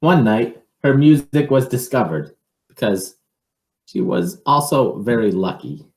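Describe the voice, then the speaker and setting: A man reading a picture book aloud to children in an expressive, measured way, with informal asides. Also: mid-range voice, reverberant, poor audio.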